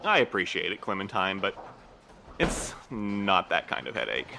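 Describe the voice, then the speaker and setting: An actor playing a guarded, weary postmaster in an audio drama, speaking in a careful, slightly formal, measured way. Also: male voice, deep voice, sing-song, gravelly, background noise, full character voice. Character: guarded, weary postmaster man, evasive but courteous. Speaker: actor in a fiction podcast.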